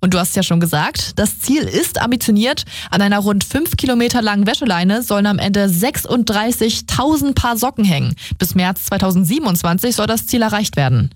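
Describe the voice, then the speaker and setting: A woman radio reporter explaining a local story to the presenter in a friendly, clear way. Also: mid-range voice, expressive, fairly quick, few pauses, no echo. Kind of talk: studio report chat. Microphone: studio microphone.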